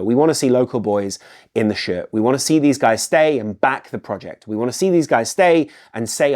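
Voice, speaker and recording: A man's voice: lowish voice, darkish tone. A middle-aged man from England, hosting a solo football commentary video, earnest and repetitive, leaning on "ultimately". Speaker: football channel host.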